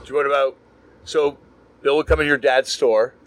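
A man's voice: mid-range voice, fairly even intonation, moderate pace, a bit bright, low-quality recording. A man from Canada hosting a casual podcast interview, asking short curious questions. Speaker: podcast host.

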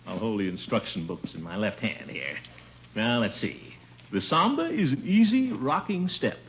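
An actor playing a pompous, bumbling middle-aged bachelor uncle in a 1950s radio sitcom, blustering and chuckling. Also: male voice, lowish voice, big pitch swings, moderate pace, slight background noise. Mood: fussy. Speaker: lead comic character. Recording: dull old radio broadcast.

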